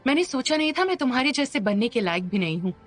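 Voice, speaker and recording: A woman's voice: high-pitched, sing-song, fast talker. A woman dubbing an earnest, pleading young woman. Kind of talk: dubbed drama acting.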